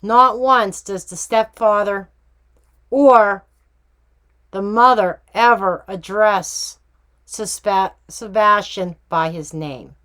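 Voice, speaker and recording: A woman's voice: medium pitch, slow pace, fairly bright tone. A woman hosting a casual true crime tarot reading vlog, chatty and emphatic with slangy asides. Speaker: tarot reader and true crime channel host.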